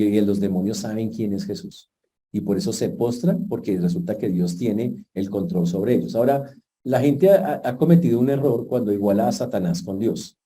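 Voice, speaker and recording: Male pastor, very dark and mellow voice, lively storytelling sermon with asides to the church. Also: fairly low pitch, slight background noise. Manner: lively storytelling preaching with jokes and asides to the congregation.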